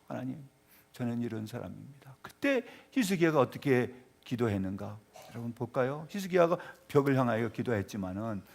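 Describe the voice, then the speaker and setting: A male pastor delivering a Sunday sermon in a church. He calls out to the congregation directly and swings between loud exclamations and hushed tones. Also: fairly high pitch. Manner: addresses the congregation directly, often calling out to them. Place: church sanctuary.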